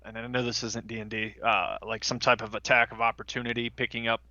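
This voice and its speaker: A man talks casually as a player at a tabletop game. His voice is sharp and bright at a middling pitch. The recording is dry and close. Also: little pitch movement, fast, dry recording, dull audio. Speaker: player in a tabletop RPG podcast.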